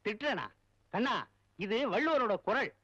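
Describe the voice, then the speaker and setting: An actor playing a pompous, fussy male college teacher who recites verse slowly and grumbles at his students. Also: high voice, expressive, a bit bright, no room sound. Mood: scolding. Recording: dry, dull old film soundtrack.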